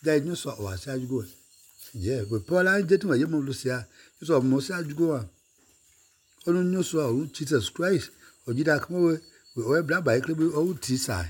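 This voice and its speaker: A man's voice: a little high, lively intonation, normal speed, breathy edge. A man singing or chanting in a repetitive way, returning again and again to short refrains. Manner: repeats short refrains over and over.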